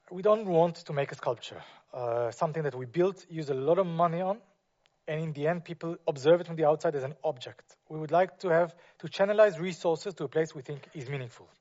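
A man's voice: on the high side, darkish tone. Hesitant man giving an architecture talk. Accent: non-native English speaker. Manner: hesitant, many fillers and restarts. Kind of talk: presentation to an audience. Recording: muffled, lo-fi.

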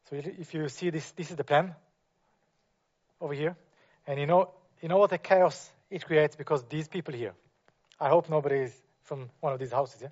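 A man presenting his architecture projects to an audience, speaking non-native English with many fillers and restarts. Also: fairly high pitch. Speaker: architect giving a talk. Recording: muffled, lo-fi.

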